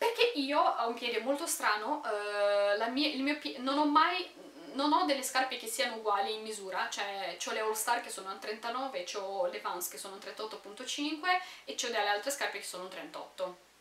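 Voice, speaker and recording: This woman's voice sits fairly high and moves with lively intonation. There is audible echo from the room. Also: moderate pace. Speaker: YouTuber / vlogger. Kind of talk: casual vlog monologue to camera. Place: home room. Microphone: camera far.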